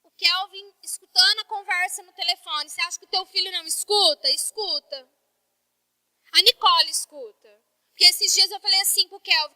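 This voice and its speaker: A woman's voice: extremely high pitch, sharp tone, no echo. A woman pastor in her thirties from Brazil, preaching a sermon in a conversational, emotional way.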